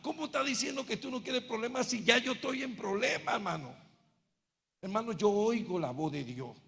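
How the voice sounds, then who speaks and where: A man with a Panamanian accent preaching a sermon as pastor, loud and emphatic, joking with the congregation and raising his voice to a shout. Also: very high-pitched, lively intonation, normal speed, creaky. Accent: Panamanian Spanish. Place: church hall. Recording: long hall reverb.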